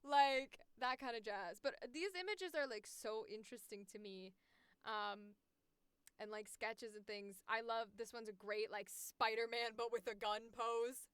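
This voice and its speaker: Female livestream host, higher-pitched and forceful, casual slangy delivery, clean close sound. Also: a little slow, clear, resonant tone, no room sound. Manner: animated, giggly, slangy, exclamatory.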